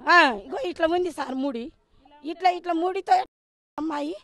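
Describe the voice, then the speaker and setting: A woman's voice: very high voice, normal speed, a little mellow. A woman with a Telangana Telugu accent giving an emotional eyewitness account, repeating herself and acting out what others said. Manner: agitated, repetitive storytelling, acts out quoted speech. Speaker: villager recounting an incident.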